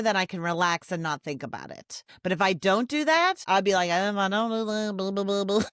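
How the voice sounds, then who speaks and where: The recording is very clean with a silent background and a dry, close sound with no echo, as a woman with an American accent speaks with ordinary pitch variation. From Texas. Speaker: podcast host. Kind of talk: casual chat. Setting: studio.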